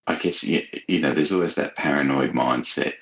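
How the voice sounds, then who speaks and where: A man talking reflectively as a guest author in a casual interview, thoughtful and halting as he searches for words. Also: extremely low pitch, fairly bright tone. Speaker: horror author being interviewed.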